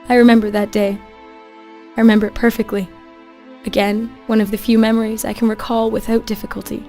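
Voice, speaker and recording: A woman acting a grieving young ghetto prisoner who tells her story in a radio drama. Her delivery is measured and reflective, with very little rise and fall. Music plays behind her. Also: on the high side, little pitch movement, dark tone, close to an everyday voice. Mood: grieving, bitter. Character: grieving young Jewish woman recalling life in the Warsaw ghetto. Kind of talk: scripted dramatic first-person narration.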